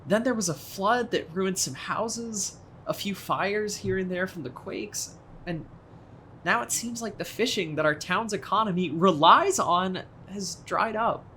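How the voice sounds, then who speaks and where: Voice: medium pitch, measured pace, sharp tone, a little hiss or hum. A young adult actor playing a friendly, worried small-town boat owner in an audio drama, speaking in a conversational, earnest way. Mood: worried, candid. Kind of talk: naturalistic audio drama acting.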